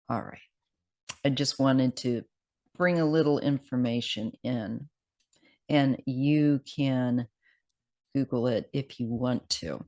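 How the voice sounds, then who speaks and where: A tarot reader with a scratchy voice, talking casually and haltingly, unscripted, sometimes reading aloud. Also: mid-range voice, darkish tone. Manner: hesitant, halting delivery. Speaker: tarot card reader host.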